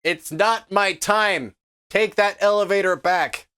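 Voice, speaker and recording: A man's voice: high voice, slow, pushed and bright, clean tone. A man streaming a story game, chatting playfully and making jokey asides as he reads. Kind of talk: casual game stream, reading story aloud.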